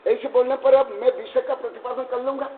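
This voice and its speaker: Religious teacher, male, high-pitched, chants then lectures conversationally with questions; tinny lo-fi sound, echoey hall. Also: little pitch movement, fairly quick, a little hiss or hum. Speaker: Jain monk teaching scripture. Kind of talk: scripture class lecture.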